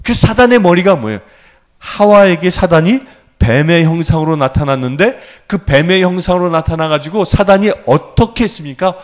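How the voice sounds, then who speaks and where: A male priest delivers a sermon lecture in a church, speaking in a high voice that rises and falls widely. He is animated and keeps turning to his listeners with quick prompting questions.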